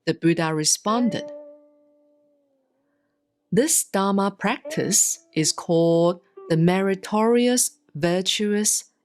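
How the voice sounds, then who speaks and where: A woman reads Buddhist scripture as a monastic, in a solemn, measured and deliberate scripted style with pauses between phrases. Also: on the low side. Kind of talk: solemn scripted sutra recitation, audiobook-like reading. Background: soft plucked guitar-like music.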